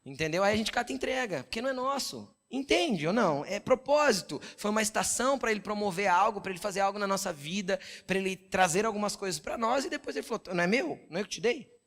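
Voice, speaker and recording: A man's voice: high voice, lively intonation, fast talker, hardly any pauses, a bit bright. Man with a Brazilian accent preaching conversationally. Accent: Brazilian Portuguese. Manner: conversational preaching with frequent "entendeu?" check-ins; storytelling, quoting God and his wife in dialogue. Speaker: pastor. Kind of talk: sermon.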